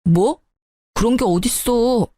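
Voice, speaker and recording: Woman playing a sulky husband, whiny, self-justifying, mellow, dry. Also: fairly high pitch, slow, no echo. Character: young husband, tactless and sulky. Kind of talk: story radio drama reading.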